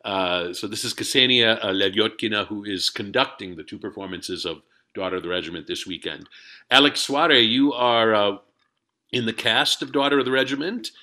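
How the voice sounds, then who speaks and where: A man hosting an interview, asking measured, courteous questions. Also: lowish voice, sharp tone. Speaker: radio interviewer host.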